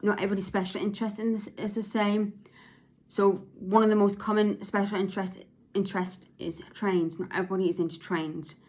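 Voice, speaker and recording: A woman hosting her own podcast, speaking about her life with autism in a halting way, with many restarts, and at times in a monotone. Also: mid-range voice. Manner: says her voice is sometimes monotone; halting, with frequent restarts and repeated words. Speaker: podcast host. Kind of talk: personal monologue about autism.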